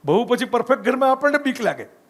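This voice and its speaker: With a very high-pitched voice, big pitch swings, and a quick pace, a middle-aged man from Gujarat, India, gives a storytelling public talk. He mixes narrative with reflection in a conversational style, repeatedly asking the audience "right?"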